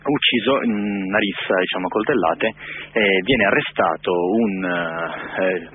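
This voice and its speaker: Low male caller from north-east Italy, heard over the phone, halting radio commentator. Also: slightly rough. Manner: halting, many filler pauses. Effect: heard over a phone line. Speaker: phone-in correspondent. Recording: tinny phone line with faint hum.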